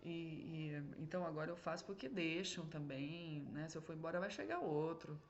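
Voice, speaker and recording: A woman talks as a spiritual medium recounting a session at home. She rambles in a casual monologue and checks in with "né?" after many phrases. Her voice sits a little low, and the recording sounds dull and lo-fi. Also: normal speed. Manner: rambling, with frequent "né?" and "entendeu?" asides.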